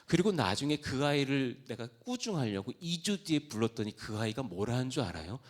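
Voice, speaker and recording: Lively storytelling male preacher. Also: medium pitch, fairly quick. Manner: storytelling preacher, swings from soft asides to loud exhortation. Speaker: pastor. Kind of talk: youth revival sermon.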